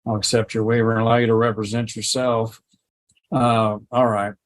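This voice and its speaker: A man's voice: on the low side, little pitch movement, moderate pace. A man speaking as a judge in a courtroom recording, running a hearing with short procedural questions and prompts. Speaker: judge presiding over a hearing.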